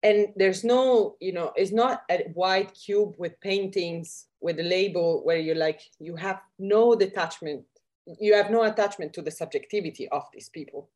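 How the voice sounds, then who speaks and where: A woman's voice: medium pitch, normal speed, darkish tone. A woman speaking as a podcast guest in casual discussion, searching for words with many fillers and restarts. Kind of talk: conversational discussion.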